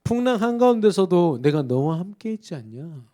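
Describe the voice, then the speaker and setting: A male pastor voicing Jesus, a gentle grown man who tenderly reassures and rebukes his disciples. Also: high-pitched, big pitch swings, normal speed. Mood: tender pleading.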